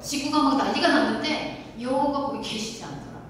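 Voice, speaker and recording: A woman's voice: high voice, brisk. A woman pastor preaching a sermon, telling the story with animation and asking the congregation questions. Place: church sanctuary. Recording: echoey hall from far off, faint room noise.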